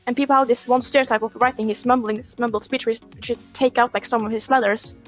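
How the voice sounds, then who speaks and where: A woman guest on a podcast, a fanfiction writer, chats casually and tells anecdotes in a rambling, conversational way. Her voice is fairly high with a steady tone and a quick pace, and soft music plays in the background.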